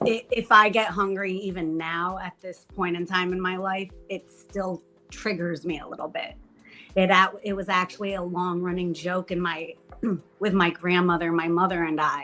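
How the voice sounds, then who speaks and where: Over music in the background, a woman speaks at a moderate pace in a monotone, flat intonation. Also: medium pitch for a woman. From Colombia, raised in the US from age four. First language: Spanish. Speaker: podcast guest. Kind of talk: casual interview, personal life story.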